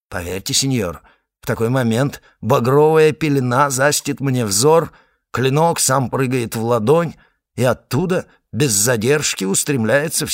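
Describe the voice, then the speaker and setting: A man voicing a small, fat, proud male detective from the south who speaks with a put-on foreign accent and a flowery, quick-tempered manner. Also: mid-range voice, no room sound, studio quality, voice pushed up.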